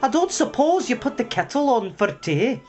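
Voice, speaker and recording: A young male mouse hero from a storybook, put on by a narrator, pitched well up and lively. He is brave and quick-tempered, with a sharp sarcastic streak, over faint music. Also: lightly acted.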